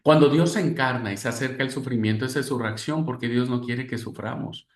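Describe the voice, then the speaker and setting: A man's voice: mid-range voice, brisk, echoey room. A man teaching a class on Christian spirituality like a sermon, calling his listeners brothers and acting out the voices he quotes. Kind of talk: class lecture in a preaching manner.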